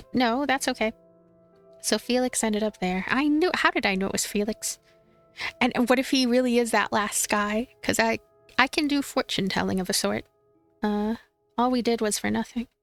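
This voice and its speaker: A woman reading a visual novel aloud as a let's play streamer, expressive and playful, with commentary. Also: fairly high pitch, normal speed, no echo. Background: game music.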